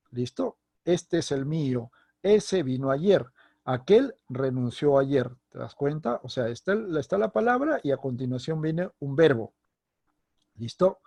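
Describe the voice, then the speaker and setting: A man's voice: a little high, a little mellow, no room sound. A man teaching a recorded grammar lesson, explaining patiently and checking in with his student again and again. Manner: explanatory, checks in with a frequent "¿listo?"; speaks directly to the student, stressing example words. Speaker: secondary school language teacher.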